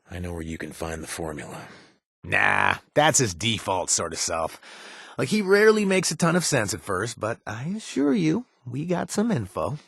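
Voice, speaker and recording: A man playing a flirtatious, wry ex-raider ally in a video game, with a husky voice and a hesitant, teasing delivery. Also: low voice, fairly bright tone, no echo, clean studio sound, heavily acted. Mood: casual, wry. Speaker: video game companion character.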